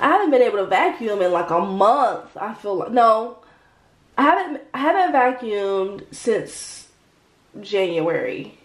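Very wide pitch swings carry through audible room echo at a fairly slow pace. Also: woman, fairly high pitch for a woman. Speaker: content creator. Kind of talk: casual chat. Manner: chatty, friendly, animated. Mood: chatty, upbeat. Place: home room.

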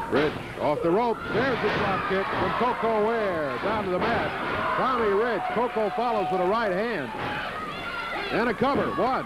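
Loud background noise runs through the clip. The sound is dry, with no echo. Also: man. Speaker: wrestling play-by-play commentator. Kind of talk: rapid-fire ringside play-by-play calling each hold and strike. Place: studio.

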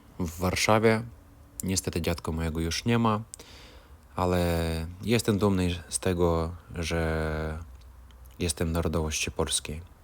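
In a Ukrainian accent, a man with a very deep, low pitch speaks at a very slow pace with fairly even intonation. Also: long, frequent pauses. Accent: Ukrainian accent in Polish. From Ukraine, Volhynia (Lutsk). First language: Ukrainian (speaking Polish). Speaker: vlogger. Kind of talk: personal testimony. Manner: halting.

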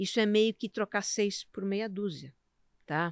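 The woman's medium-pitched voice comes through on a very clean recording with a silent background. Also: dry, close sound with no echo. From Brazil, São Paulo city. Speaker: podcast host on self-knowledge and mental health. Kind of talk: solo podcast monologue, reflective talk. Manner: calm, gentle.

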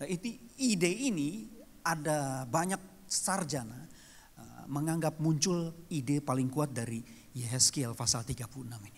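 A man speaks at a very slow pace with a fairly high pitch. His voice is somewhat breathy, with big swings in loudness. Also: lively intonation. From West Java, Indonesia. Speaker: pastor. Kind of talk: sermon. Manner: animated. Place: church. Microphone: handheld.

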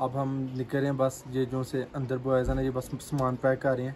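A man speaks in a dark, mellow tone that is somewhat breathy. His pace is moderate, with light background noise. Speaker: travel vlogger. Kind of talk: casual vlog chat. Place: street. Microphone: phone near.

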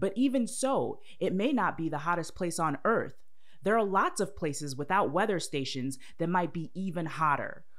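In an American accent, a woman with a fairly low pitch talks at a moderate pace in an animated tone with lively intonation, and room echo is audible. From US Midwest, Chicago. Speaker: children's science educator. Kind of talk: scripted educational narration for kids.

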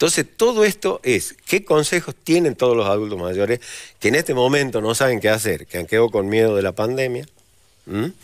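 Man with an unremarkable speaking voice, medium pitch, lively intonation and a fairly quick pace, on a very clean recording with a silent background. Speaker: medical doctor. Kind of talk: TV interview. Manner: conversational.

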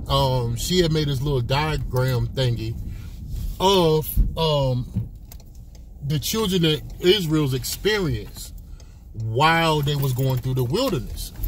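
A man at a very slow pace with long, frequent pauses, light background noise and a dry sound with no echo. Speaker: vlogger. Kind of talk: casual vlog chat, religious reflection. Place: car. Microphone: phone near.

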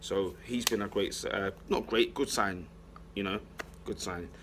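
Background noise is noticeable. A man is talking through it. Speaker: football fan vlogger. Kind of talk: casual vlog chat. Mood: relaxed opinionated. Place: street. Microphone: phone near.

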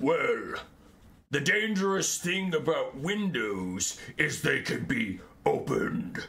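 In a put-on character voice, the speaker sounds menacing and raspy, moving at a fairly slow pace. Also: man. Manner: scary, menacing.

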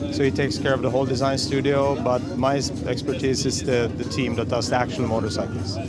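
With music in the background, a man talks at a fairly quick pace in a dry sound with no echo. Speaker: interviewee. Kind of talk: interview answer. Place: tent. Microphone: handheld.

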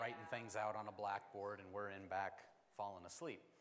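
Light background noise sits behind a man as he talks. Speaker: Sunday school teacher. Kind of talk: sermon. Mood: friendly, lightly joking. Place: church. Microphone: lapel.

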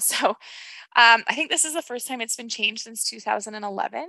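A woman speaks at a fairly quick pace in a fairly high pitch, her bright, sharp tone and lively intonation captured as a dry sound with no echo against a quiet background. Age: 30s. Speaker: podcast host. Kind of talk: interview conversation. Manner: animated. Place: home room. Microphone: headset.

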